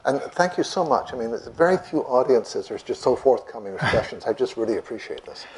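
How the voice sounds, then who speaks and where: A man with a notoriously soft voice, a meditation teacher answering questions from an audience in a lecture room, gently restarting his words. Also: medium pitch, animated, a little fast, a little hiss or hum, low-quality recording. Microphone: microphone.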